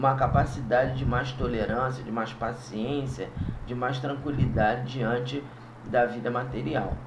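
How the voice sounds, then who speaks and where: The voice is monotone and flat, moving at a fairly slow pace. Room echo and noticeable background noise can be heard. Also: man, medium pitch for a man. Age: 60s. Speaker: spiritist study leader. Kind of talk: religious study commentary. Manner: halting.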